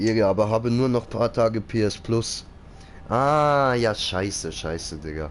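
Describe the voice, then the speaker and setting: A man speaks at a medium pitch in a strong Swiss German accent, at a fairly slow pace. His tone is animated and his intonation lively. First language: Swiss German (speaking German). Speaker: gaming streamer. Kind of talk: live stream chat.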